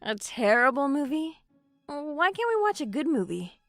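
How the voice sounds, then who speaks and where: A woman's voice: high-pitched, sing-song, normal speed, dry recording, faint music behind. A woman playing a dryly teasing young woman new in town, in a naturalistic audio drama. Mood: playful.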